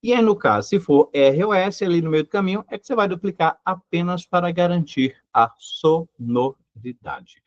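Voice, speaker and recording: A man teaching grammar in a live online class. His voice sits high and swoops up and down as he drills the same rule again and again. The sound is dry and a little dull. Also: expressive, normal speed, hardly any pauses, no echo. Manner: emphatic and repetitive, full of rhetorical questions. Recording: dry, slightly dull recording.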